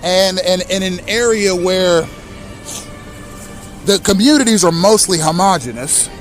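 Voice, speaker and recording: A man in his thirties, a native English speaker, hosting an impassioned direct-address monologue with accusatory, emphatic speech and slow deliberate stresses. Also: high-pitched, animated, soft background music. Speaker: host.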